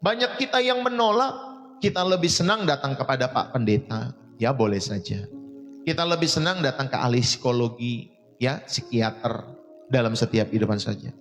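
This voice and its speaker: Indonesian pastor preaching in a reverberant hall. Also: male voice, animated, moderate pace. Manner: preaching with sudden high bursts of emphasis. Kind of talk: sermon. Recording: long hall reverb with faint music.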